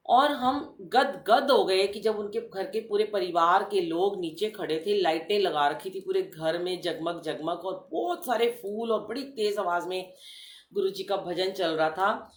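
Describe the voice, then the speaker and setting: A middle-aged woman addresses a devotional gathering, telling her story with lively turns and acting out the people she quotes. Her voice sits at a medium pitch and carries a roomy echo around it. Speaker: satsang speaker.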